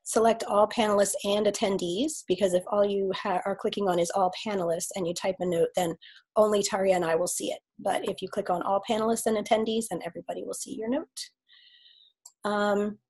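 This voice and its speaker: A woman's voice: mid-range voice, steady tone, fairly quick, husky. A woman hosting an online video call, welcoming attendees by name, her voice slightly scratchy from a cold. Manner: warm welcoming, reads out chat names. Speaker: host, life coach.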